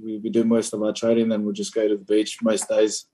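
A man in his twenties from Fiji, answering interview questions in a relaxed, hesitant way with many fillers. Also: on the low side, brisk. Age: 20s. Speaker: rugby league player, guest.

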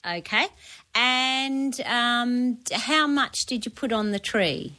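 A woman's voice: on the high side, lively intonation, slow, pushed and bright. Australian woman giving chatty radio advice. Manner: chatty, colloquial. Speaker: gardening expert on radio talkback. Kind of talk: conversational practical advice. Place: radio studio.

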